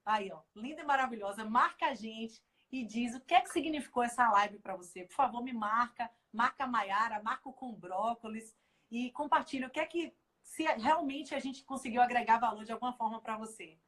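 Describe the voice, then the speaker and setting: A woman's voice: on the high side, a little fast, fairly bright tone. Effusive woman host of a live stream. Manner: effusive, exclamatory praise. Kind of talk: enthusiastic live-stream hosting.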